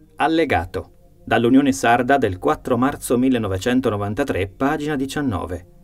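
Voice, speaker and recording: Over music in the background, a man speaks at a moderate pace with a medium pitch. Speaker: audiobook narrator. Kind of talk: audiobook reading.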